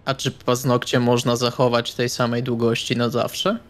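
A man playing a stone-faced, polite male vampire in tabletop roleplay, deadpan and formal. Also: medium pitch, moderate pace, close to an everyday voice. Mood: flat, calm.

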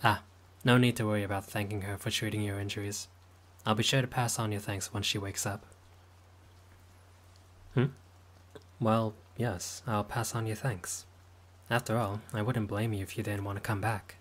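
A man's voice: fairly low pitch, little pitch movement, moderate pace, pauses often, a bit bright. A man voicing a friendly, caring male vampire lord who talks politely and eagerly, sometimes flustered, in an audio roleplay. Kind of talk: audio roleplay monologue to the listener.

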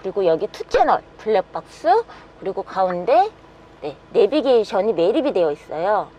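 A woman's voice: mid-range voice, very animated, normal speed, dull audio. A young woman presenting a used vehicle in an upbeat, polished salesperson's patter. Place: indoor parking garage, later inside truck cab. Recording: background noise in parking garage.

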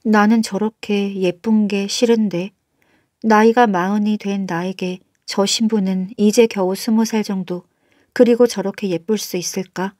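A woman's voice: medium pitch, steady tone, unhurried, darkish tone, no room sound, clean studio sound, lightly acted. A woman voicing a lonely, fretful middle-aged male magistrate in a storybook, brooding and earnest. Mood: anxious. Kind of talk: storybook narration.

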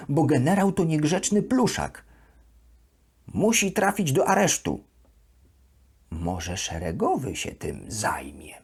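A woman voicing a sweet, naive plush duck who tells her diary as a children's bedtime audio story, in an expressive, deliberate way. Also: extremely low pitch, husky, heavily acted. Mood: ashamed, earnest.

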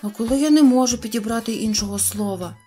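A woman voicing a boastful excitable tiny fellow. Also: on the high side, quick pace, soft background music, natural voice. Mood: excited. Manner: eager, shouting with excitement. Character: boastful excitable little boy-like tiny man.

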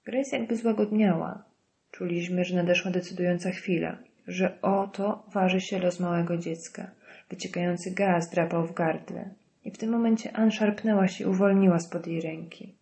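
Woman reading a novel aloud, calm and even, lowish pitch. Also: moderate pace, creaky. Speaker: audiobook narrator. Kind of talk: scripted narration.

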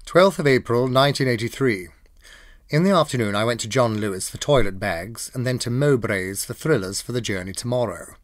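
A man's voice: mid-range voice, lively intonation, a little fast, dry recording, clean studio sound. A man with a British accent giving a scripted, dramatic reading of diary entries. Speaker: diary reader. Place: dry studio.

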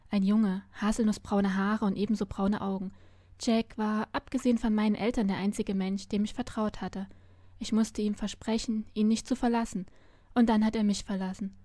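Woman reading a story aloud, mellow. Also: medium pitch, no echo. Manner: expressive first-person narration. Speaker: story reader.

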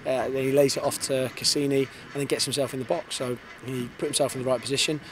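On a night pitch with stadium noise plainly in the background, a football head coach in his thirties answers post-match interview questions. A reporter holds a handheld mic in front of him. He talks fast and earnestly, with a fairly flat pitch, often restarting phrases and repeating words.

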